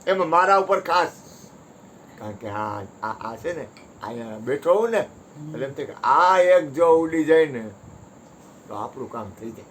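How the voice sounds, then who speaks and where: A man's voice: fairly high pitch, lively intonation, measured pace, pauses often, a bit bright, slight background noise. A man giving a devotional satsang talk in a folksy, conversational way, joking with his listeners. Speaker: satsang speaker.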